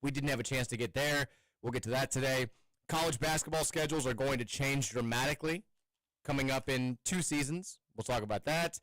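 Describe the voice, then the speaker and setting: A man's voice: mid-range voice, fairly quick, fairly bright tone, no echo, poor audio. A man hosting a sports radio show in a studio, chatting loosely with frequent restarts. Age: adult with kids. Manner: rambling, chatty, with many restarts. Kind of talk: casual sports radio chat. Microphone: studio microphone.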